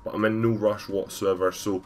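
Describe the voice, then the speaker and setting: A man with a deep voice and a cold, rambling casually through a gameplay voiceover with many fillers. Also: flat delivery, normal speed. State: has a cold, stuffy. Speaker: gaming YouTuber.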